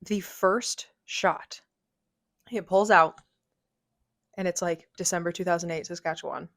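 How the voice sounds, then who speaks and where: A young woman co-hosting a podcast, chatting in an animated way with lots of swearing and laughter. Her voice has a middle pitch for a woman. The recording is dry, with little room sound. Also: a little slow, dry recording. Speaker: podcast co-host. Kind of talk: casual chat.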